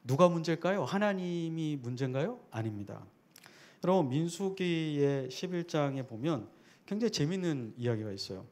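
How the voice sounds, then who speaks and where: A man's voice: a little high, animated, moderate pace, darkish tone. A man preaching a sermon as a guest preacher at a church worship service, speaking earnestly and conversationally and asking the congregation rhetorical questions.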